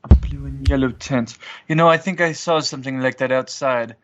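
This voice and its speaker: A man's voice: mid-range voice, normal speed, lo-fi sound, a little hiss or hum. A man playing in a tabletop roleplay game, chatting casually and speaking for his character. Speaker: player in a tabletop roleplay podcast.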